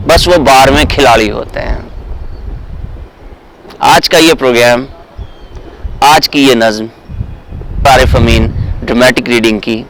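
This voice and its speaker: A man with a Pakistani accent presenting in a theatrical, emphatic and deliberate way, like a dramatic poetry reader. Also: mid-range voice, a bit bright, slight background noise, rough recording.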